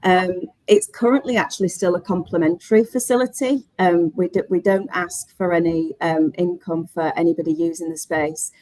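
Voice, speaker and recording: A woman with a fairly low voice gives unscripted advice as a webinar panelist. Her phrasing is halting and she often rewords as she goes. The recording is dry, without room sound. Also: steady tone, darkish tone, no echo, rough recording. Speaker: panelist running a flexible workspace.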